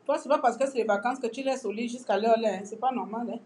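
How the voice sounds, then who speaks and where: A Gabonese-accented woman from Gabon ranting in a mocking, animated way in a casual vlog. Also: on the high side, quick pace. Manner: mocking, animated, breaks into song. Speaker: vlogger. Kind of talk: casual political rant.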